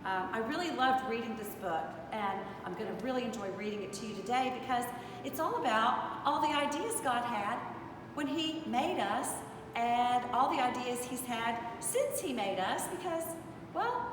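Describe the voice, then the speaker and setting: A middle-aged woman hosts a children's storytime in a casual, lively way. Her voice is on the high side and heard from a distance in a big, very reverberant church. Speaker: storytime host. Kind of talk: casual introduction of a children's book. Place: standing in a large empty stone church. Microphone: distant camera. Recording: echoey church, distant mic, rumbling noise.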